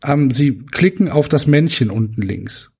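A man on a casual podcast tells a drawn-out story with dry irony, playing both sides of a phone call. His voice is husky and breathy, and his pitch swings lively up and down. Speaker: podcast co-host. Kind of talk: casual chat, anecdote telling.

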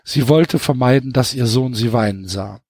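A man's voice: mid-range voice, moderate pace, darkish tone, breathy edge, no room sound, clean studio sound. A man hosting a podcast, reading a novel aloud and breaking off for mocking comments, stumbling over his words. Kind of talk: casual reading with mocking asides.

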